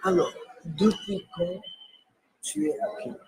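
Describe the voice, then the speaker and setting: A man interviewing someone, asking questions in an unhurried, prompting way. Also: high voice, fairly even intonation, heavy background noise.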